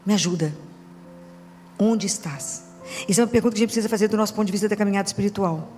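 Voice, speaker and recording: A woman's voice: mid-range voice, steady tone, rapid-fire, a little mellow. A woman preacher with a Brazilian Portuguese accent giving a conversational sermon in colloquial, teasing language, often asking rhetorical questions. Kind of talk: conversational sermon with acted-out dialogue. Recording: long hall reverb with music behind.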